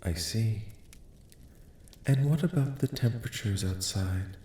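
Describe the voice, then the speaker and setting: A man voicing a calm, curious alien in an ASMR roleplay, speaking softly with formal, detached, precise wording. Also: fairly low pitch, unhurried, roomy sound, lightly acted. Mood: curious, measured. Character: calm, curious, clinical male alien studying human dreams. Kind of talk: soft-spoken ASMR roleplay, scripted.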